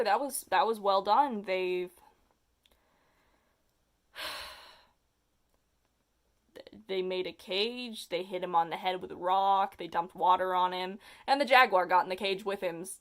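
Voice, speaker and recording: Animated young vlogger, feminine voice. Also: female voice, medium pitch. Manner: animated, self-mocking, exaggerated outbursts. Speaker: vlogger reading their childhood story. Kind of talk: comedic reading and commentary.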